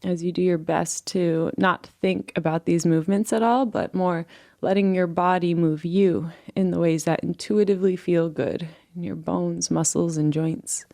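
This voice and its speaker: A woman with a dark, mellow voice and a gravelly fry at the edges guides a relaxation practice. Her manner is gentle and unhurried, giving soft permission with each instruction. She speaks as a meditation guide, soothing and patient. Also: on the low side, steady tone, dry recording, clean studio sound.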